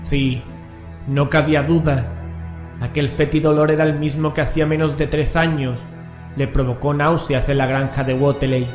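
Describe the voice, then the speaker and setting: A man's voice: a little high, level tone, moderate pace. A man narrating a scripted horror story in a solemn, dramatic manner. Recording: echoing, music underneath.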